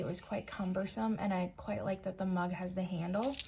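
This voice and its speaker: Over noticeable background noise, a woman speaks quietly. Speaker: budgeting YouTuber. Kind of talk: casual vlog talk. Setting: at home, windows open. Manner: speaking quietly.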